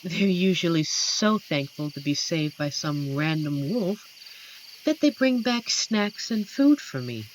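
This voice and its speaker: A woman acts out a friendly she-werewolf, guardian of the woods, in an intimate audio roleplay. Her voice is low and swings widely in pitch as she teases and chats. Faint night insects sound behind her. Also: animated, a little hiss or hum, low-quality recording. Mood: cheerful, chatty. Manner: unhurried, teasing, chatty with dramatic pauses. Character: amiable, playful female werewolf guardian of a forest. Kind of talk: scripted audio roleplay addressed to the listener.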